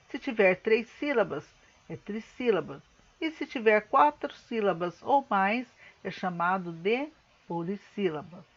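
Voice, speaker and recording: A woman teacher giving a recorded lesson, patiently explaining step by step and slowing words down to split them into syllables. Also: mid-range voice, dull audio. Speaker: schoolteacher.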